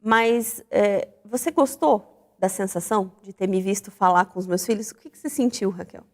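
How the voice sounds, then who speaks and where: A woman's voice: mid-range voice, normal speed, in a large hall. A woman hosting a Christian radio talk show, speaking reflectively and putting questions to her listeners. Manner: reflective, animated, asks the audience questions. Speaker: host.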